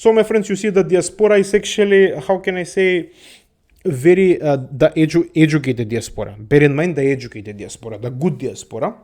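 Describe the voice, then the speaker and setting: A man's voice: a little high, a little fast, a little mellow. A man from the Balkans, hosting a casual monologue to his viewers. He rambles, swears and laughs often, and keeps addressing listeners as his friends. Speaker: host.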